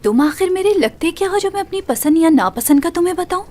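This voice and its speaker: A woman voicing a sharp-tongued young woman who rebuffs a pushy suitor, curt and indignant. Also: extremely high pitch, lively intonation, fast talker.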